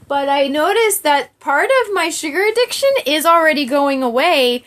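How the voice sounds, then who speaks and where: A woman's voice: high-pitched, lively intonation, moderate pace, fairly bright tone. A woman chatting casually to viewers as a livestream host, candid and rambling in a giggly, informal way.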